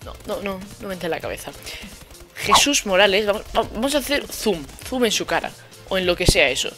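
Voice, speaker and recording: Young Spanish gamer mocking hater comments. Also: male voice, high voice, lively intonation, a little fast, pushed and bright, soft background music. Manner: mocking, repeats insults with sarcasm. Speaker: gaming youtuber. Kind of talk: casual commentary over gameplay.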